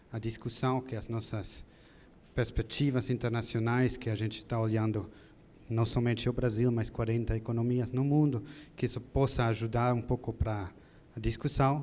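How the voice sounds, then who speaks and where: A man's dark, mellow voice at medium pitch, in a flat monotone. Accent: German. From Germany. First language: German (speaking Portuguese). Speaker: international economist. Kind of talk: closing remarks at a seminar.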